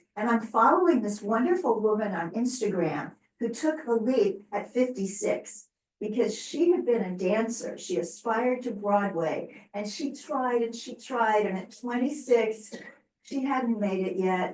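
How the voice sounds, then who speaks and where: With an American accent, the speaker goes at a fairly slow pace with lively intonation and audible room echo. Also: woman, fairly high pitch for a woman. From US Midwest, Kansas City, Missouri. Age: 70s. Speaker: author and speaker. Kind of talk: talk to a live group. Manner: animated.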